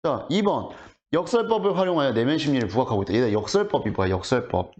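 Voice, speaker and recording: A man teaching high school literature in an online lecture, talking casually and asking his students rhetorical questions. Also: expressive, quick pace, a little mellow. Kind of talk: online exam explanation lecture. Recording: dull lo-fi audio.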